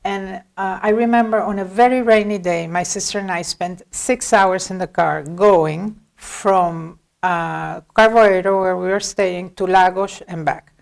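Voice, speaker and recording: A woman's voice: medium pitch, steady tone, unhurried, vocal fry, few pauses. A middle-aged woman from Venezuela, a guest in an interview, giving long reflective answers with frequent hesitations. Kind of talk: conversational interview.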